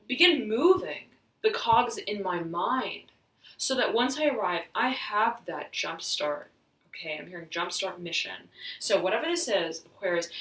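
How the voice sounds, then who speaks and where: A woman giving an intuitive tarot reading, halting and searching as she talks, slightly hoarse, often saying "right" and "I'm hearing.". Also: medium pitch, a bit bright, far from the mic. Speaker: tarot reader. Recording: roomy echo, voice off-mic.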